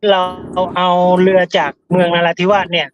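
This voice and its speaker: Man, high voice, urgent live report, muffled lo-fi line. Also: steady tone, moderate pace, a little hiss or hum. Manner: urgent, appealing for help. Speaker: field reporter. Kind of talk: live phone-in news talk.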